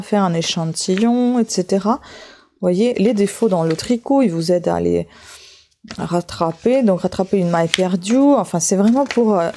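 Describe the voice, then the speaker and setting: A woman whose native language is Russian, speaking with a Russian accent. Her voice is mellow and relaxed. She talks informally like a craft vlogger showing an item, pausing and thinking aloud as she goes. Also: mid-range voice. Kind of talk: casual unboxing chat while leafing through a book.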